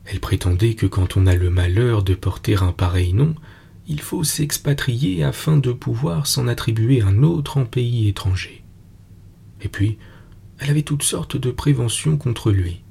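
A man narrating a classic fairy tale in French, measured and unhurried. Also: mid-range voice, creaky, mellow, slightly rough.

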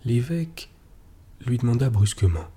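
A man reading a classic short story aloud at a measured pace, sometimes sinking almost to a whisper. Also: mid-range voice, lively intonation, dark tone, breathy edge. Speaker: reader.

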